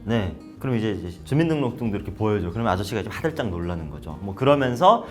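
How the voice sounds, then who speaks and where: A man's voice: fairly low pitch, quick pace. Young guy from north korea vlogging, acts out little dialogues, faint music behind. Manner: lively storytelling with acted-out quotes. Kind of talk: casual talk to camera.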